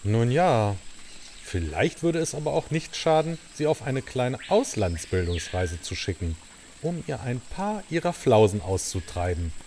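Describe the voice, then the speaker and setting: Man acting as a stately ruler and father, unhurried, very varied intonation, theatrical, audio drama. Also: mid-range voice, big pitch swings, darkish tone, slight background noise. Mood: pondering.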